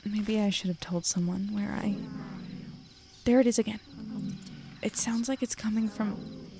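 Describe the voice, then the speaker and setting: A woman acting a curious young newspaper editor in an audio drama, chatty and wry, often thinking out loud. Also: mid-range voice, fairly even intonation, a little slow, gravelly, a little hiss or hum. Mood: uneasy, musing. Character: curious, plucky young female newspaper editor, self-deprecating. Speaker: lead actor and narrator. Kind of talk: audio drama acting with first-person narration.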